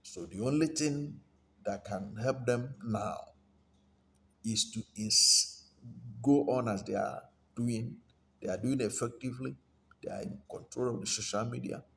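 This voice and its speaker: A man with a Nigerian accent giving unscripted political commentary in a halting, deliberate manner, often rephrasing himself. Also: mid-range voice, gravelly. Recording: steady background noise, room ambience.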